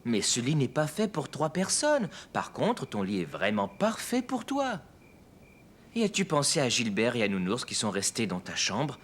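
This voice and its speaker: A man voicing a gentle, reassuring father in a French cartoon, soothing and patient. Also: mid-range voice, wildly swooping pitch, moderate pace, slight background noise. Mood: gently firm. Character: gentle, reassuring young father of small boy. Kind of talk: cartoon voice acting, French dub. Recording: faint music behind the voice.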